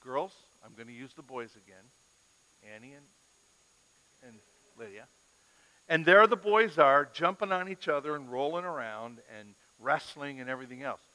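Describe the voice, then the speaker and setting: A middle-aged male pastor giving a parenting lecture to a live audience, an animated storyteller who acts out scenes. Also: fairly high pitch, moderate pace. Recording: long reverb of a large hall.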